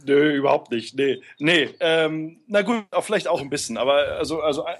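A man's voice: fairly high pitch, brisk, fairly bright tone. A man working for an aid group, answering interview questions casually, hesitant, with many fillers and restarts. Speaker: aid worker being interviewed.

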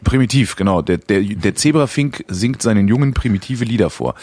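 A man in casual chat, telling a story with lively energy and often searching for words. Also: fairly low pitch, a little fast, dry recording.

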